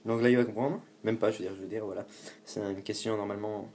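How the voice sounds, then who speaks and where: A man from France talks through a casual tech tutorial in a fairly low voice. He rambles, corrects himself mid-sentence and drops the odd swear word. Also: steady tone, quick pace, darkish tone. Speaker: tutorial host.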